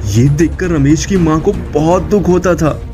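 A man narrates a cartoon moral story in a mellow, slightly high voice. His delivery stays even and steady. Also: unhurried, faint music behind.

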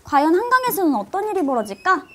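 A woman's voice: very high voice, very animated, quick pace, a bit bright, slight background noise. A woman narrating a variety clip in a playful voice-over, gushing and teasing with fan-like quips.

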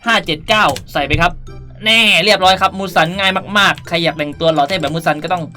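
A woman's voice: on the low side, fast talker, pushed and bright. Playful woman gaming host over background music. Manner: playful, chatty, cutesy sentence endings. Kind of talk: casual game tutorial commentary, reading out item codes. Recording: music under the voice.

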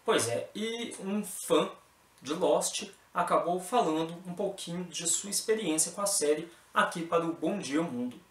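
A man's voice: a little high, measured pace. A young man with a Brazilian accent, presenting the news in a formal, scripted read from a desk in a small room. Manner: even, formal anchor delivery. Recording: roomy echo with faint music behind.

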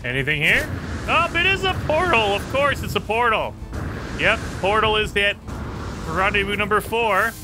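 A man hosting a gaming channel, chatting casually through gameplay, his voice a bit raspy and hoarse today. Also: sits high, very animated, normal speed, music in the background, poor audio. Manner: chatty, talks to viewers while playing. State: slightly hoarse.

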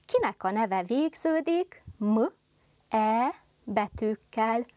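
Clear-spoken woman teaching small children. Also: fairly high pitch, lively intonation, no echo. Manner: slow, carefully articulated, speaks warmly to children. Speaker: primary school teacher. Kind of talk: televised first-grade lesson.

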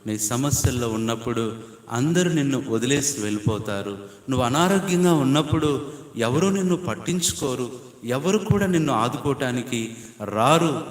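A man preaching a sermon as pastor, building emphatic repeated points and rising to loud appeals to his listeners. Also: mid-range voice, animated, moderate pace. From India. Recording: echoey hall with long reverb.

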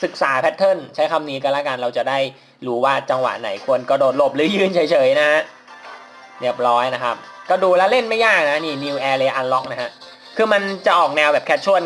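Thai guy playing a phone game, kinda high voice, chatty and polite, game music going faintly behind. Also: brisk, fairly bright tone. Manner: chatty, polite, laughs at his own mistakes. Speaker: mobile game reviewer. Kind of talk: casual gameplay commentary. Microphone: phone mic while playing on a phone.

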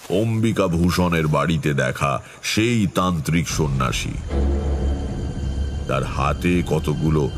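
A confident tantric tells a horror story in an audio drama. His voice is extremely low and unhurried, measured and atmospheric, with music clearly playing behind it. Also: heavily acted. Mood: steady, ominous. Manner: measured, atmospheric, self-assured. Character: Taranath, seasoned confident male tantric recounting eerie tales.

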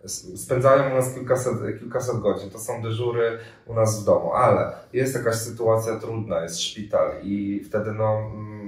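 Low-voiced hesitant man in an echoey room. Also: moderate pace, few pauses. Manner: hesitant, many fillers and restarts. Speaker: volunteer coordinator, guest. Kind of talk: conversational interview answers. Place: room with armchairs and radiator, indoors. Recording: echoey room, mic at a distance.

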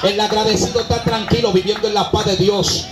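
A man's voice: high-pitched, steady tone, fairly quick. A middle-aged man preaching and praying fervently at an open-air service on a city street, calling out commands into a handheld microphone. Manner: fervent, calls out commands and prayers, loud bursts. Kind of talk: open-air evangelistic sermon and prayer. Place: busy city street outdoors. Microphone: handheld microphone through loudspeaker. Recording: echoey outdoor PA sound with loud crowd and music. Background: crowd and music.

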